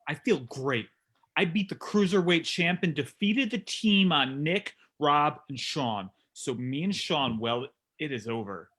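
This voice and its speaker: A man's voice: on the high side, expressive, a little slow, a bit bright. A man playing a brash, boastful pro wrestler in a staged promo reading, with cocky, taunting delivery. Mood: cocky, gloating.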